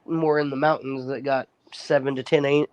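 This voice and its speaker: A man's voice: mid-range voice, little pitch movement, moderate pace, darkish tone, dry recording, low-quality recording. A man chatting as a guest on a livestream, speaking steadily and matter-of-factly. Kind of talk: casual chat.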